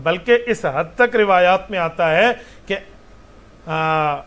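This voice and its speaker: A man's voice: high voice, a bit bright. A man, a mufti answering religious questions with patient explanations and rhetorical questions.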